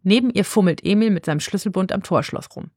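A woman narrating a story in an even, clear reading voice, giving characters their own voices. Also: mid-range voice, fast talker, dry recording, studio quality.

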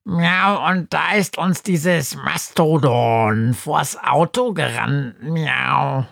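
A woman's voice: low voice, drawn-out words, creaky, a bit bright, dry recording, clean studio sound, exaggerated voice. A woman voicing a hyper, chattering male cat who keeps meowing between sentences in an audiobook story. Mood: excited chatter. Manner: chirpy, meows between sentences. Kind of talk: audiobook character voice.

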